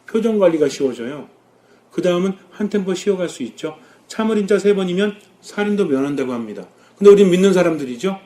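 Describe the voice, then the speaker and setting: A man, a Catholic priest, preaching a sermon, asking the congregation questions and answering them himself. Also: high-pitched. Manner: lively, rising and dropping with emphasis.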